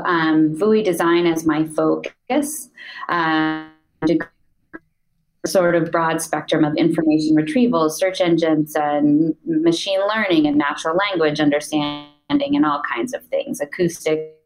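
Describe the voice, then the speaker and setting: American woman on a podcast, really low voice, easygoing, lots of ums. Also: a little slow, rough recording. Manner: relaxed, matter-of-fact, with many ums. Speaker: podcast guest, voice interface designer. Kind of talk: interview answers, career story.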